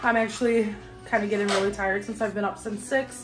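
Clear music sounds behind a woman who is talking. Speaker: vlogger. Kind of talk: casual vlog chat. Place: kitchen. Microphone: phone near.

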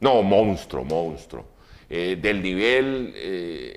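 A man's very deep, low voice unfolds at a very slow pace. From Colombia, Bucaramanga (Santander); Santander, Colombia. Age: 50s. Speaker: sports journalist. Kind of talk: interview. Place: studio. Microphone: lapel.

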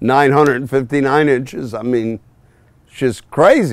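Recorded against a quiet background, a man's voice comes through dry with no echo. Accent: New Jersey. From New Jersey. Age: 60s. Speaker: drag racer. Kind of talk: interview. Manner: blunt, outspoken. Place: garden. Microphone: lapel.

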